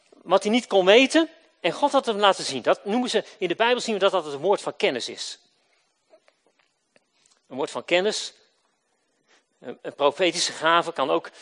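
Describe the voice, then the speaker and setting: A man preaching a sermon, swinging between loud emphatic lines and quiet low endings, and asking his listeners questions he answers himself.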